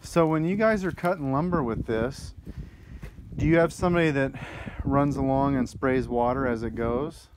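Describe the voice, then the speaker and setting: A man's voice: medium pitch, normal speed, background noise. A man touring an outdoor sawmill, asking curious, easily impressed questions into a handheld phone camera. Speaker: video host touring a sawmill. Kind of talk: casual on-site questions.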